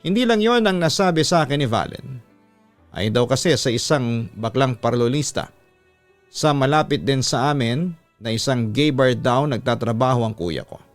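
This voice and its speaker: A man's voice: mid-range voice, animated, moderate pace, soft background music. A man reading a listener's personal letter aloud as a scripted, storytelling radio-style narration.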